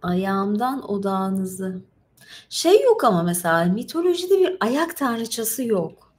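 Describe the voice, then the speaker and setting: Here the same livestream host reads and chats informally in a slow, sing-song voice of medium pitch with a slightly mellow tone. Her rambling commentary carries a roomy echo over faint background noise.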